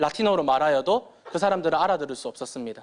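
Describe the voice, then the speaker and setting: A man speaks with a Busan accent and lively intonation. The background is quiet. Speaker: assistant pastor. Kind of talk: sermon. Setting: church. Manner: formal.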